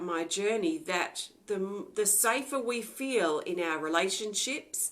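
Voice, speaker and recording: Speaking at a very slow pace, a woman with an Australian accent uses lively intonation and a fairly high pitch. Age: 40s. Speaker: spiritual healing teacher. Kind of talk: live-streamed spiritual talk. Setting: live video stream. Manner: reflective, some hesitation.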